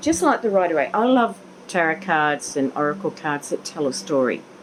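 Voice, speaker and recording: Someone with an Australian accent speaks at a moderate pace over noticeable background noise. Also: woman. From Queensland, Australia. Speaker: tarot reader. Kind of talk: casual talk to camera.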